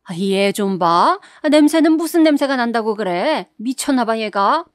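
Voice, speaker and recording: A woman voicing a grumpy, sharp-tongued older mother-in-law who scolds and complains, raised a little above her narrating voice, in a storybook radio drama. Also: a little high, lively intonation, normal speed, no room sound, studio quality, close to an everyday voice. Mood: indignant.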